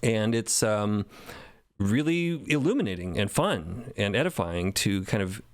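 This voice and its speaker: Low-voiced guy rambling thoughtfully on a podcast, dry close sound. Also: expressive, measured pace, no room sound. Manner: reflective, wordy, playful. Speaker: podcast co-creator and sound designer. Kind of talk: casual roundtable chat.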